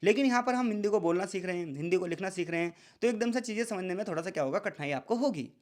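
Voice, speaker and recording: A young man with a high, light voice gives a casual lecture. He keeps asking his listeners questions and then answers them himself, in a chatty, friendly way of explaining. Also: lively intonation, racing, darkish tone. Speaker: teacher.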